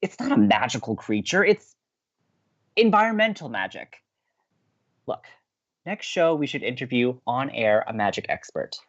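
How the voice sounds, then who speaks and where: An actor playing a romantic, excitable young man who co-hosts college radio in an audio drama, earnest and expressive. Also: medium pitch, normal speed, pauses often, muffled recording. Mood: excited, playful. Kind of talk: naturalistic audio drama acting.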